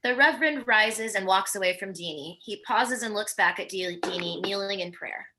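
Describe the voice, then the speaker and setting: A woman's voice: mid-range voice, normal speed, noisy background. A woman narrating the stage directions of a screenplay at a table read.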